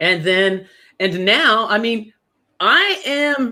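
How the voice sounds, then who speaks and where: Her bright, sharp tone is animated, at a medium pitch for a woman. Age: 60s. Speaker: charity founder. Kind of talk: casual chat.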